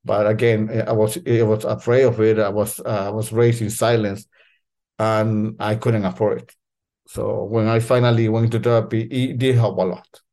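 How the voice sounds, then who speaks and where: A man's voice: lowish voice, little pitch movement, moderate pace, warm tone. A man, talking in a casual, earnest way and often repeating words as he searches for them. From Latin America. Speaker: storyteller guest. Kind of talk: casual conversation.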